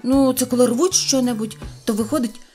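A woman voicing a boastful excitable tiny fellow. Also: fairly high pitch, fairly quick, faint music behind, pitched above the performer's own voice, close to an everyday voice. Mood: excited. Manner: eager, shouting with excitement. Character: boastful excitable little boy-like tiny man.

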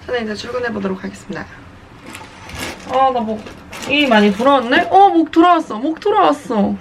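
A woman's voice: fairly high pitch, expressive, brisk. Chatty young woman, noisy surroundings. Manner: playful, chatty self-narration. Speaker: vlogger and broadcast reporter. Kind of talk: casual chatty vlog.

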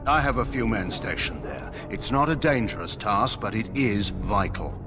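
Actor as a scornful, commanding general, animated delivery. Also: male voice, on the low side, moderate pace, over music, lightly acted. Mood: stern. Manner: commanding, disdainful. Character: stern, scornful older military commander. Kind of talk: fantasy video game acting.

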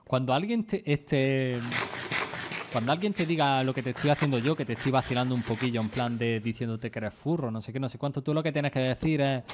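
Laid-back Spanish gamer, swearing freely. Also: male voice, medium pitch, a little mellow, a little hiss or hum. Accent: Spain Spanish. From Spain. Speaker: gaming streamer. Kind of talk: casual gameplay chat with viewers.

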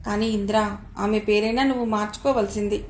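A woman's voice: medium pitch, fairly even intonation, a little fast, lightly acted. A woman reading the part of a young man who questions his friend directly and earnestly. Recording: roomy echo, faint background noise.

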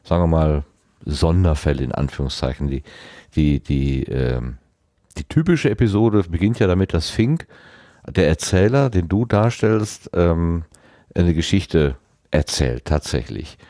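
A man's voice: sits low, expressive, a little slow, dark tone, no echo, clean studio sound. A man hosting a podcast interview, asking casual questions and carefully rephrasing them as he goes.

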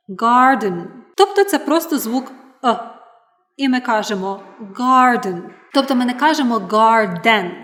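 Woman, fairly high voice, patient teacher drilling English words aloud. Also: fairly bright tone. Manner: patient, clear, repeats words for learners. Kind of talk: online language lesson.

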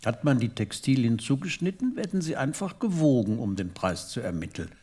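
A man's voice: mid-range voice, big pitch swings, fairly quick, dark tone, slightly rough. A man co-hosting a show, chatting loosely with fillers, then reading funny diary entries aloud with dry comic timing. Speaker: co-host reading comic literature.

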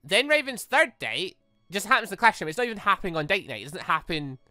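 A man giving casual, animated game commentary as he thinks aloud in a rambling, expressive way. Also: high-pitched, fast, no echo. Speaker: gaming channel host. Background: background music.

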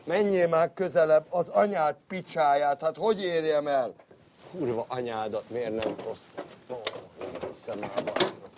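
Man, electrician, crude constant swearing, grumbling, slightly high voice, noisy amateur recording. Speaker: electrician at work. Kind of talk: amateur workplace banter.

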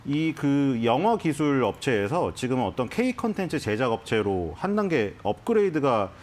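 Animated man giving stock commentary. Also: mid-range voice, normal speed, slight background noise. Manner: explanatory, animated, frequent restarts. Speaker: stock analyst guest. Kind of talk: conversational market commentary. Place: TV studio.

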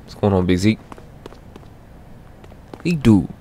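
This is blind let's play commentary from a young man who reacts to the game with incredulous jokes and talks back at the screen. He speaks slowly in a warm, low-ish voice with lively intonation, over a faint hiss or hum.

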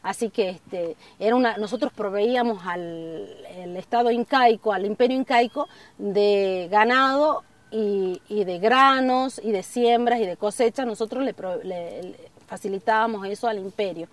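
A middle-aged woman from northwest Argentina, speaking earnestly in an outdoor documentary interview and often pausing on fillers. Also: medium pitch, recorded from a distance. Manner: earnest, gesturing, many fillers. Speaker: community member interviewed. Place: outdoors in an open field. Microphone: camera at a distance.

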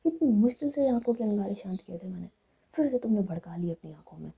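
A woman's voice: mid-range voice, fast, gravelly, warm tone, slightly rough. A woman voicing an affectionate young wife in a love story, coaxing and teasing with pet names.

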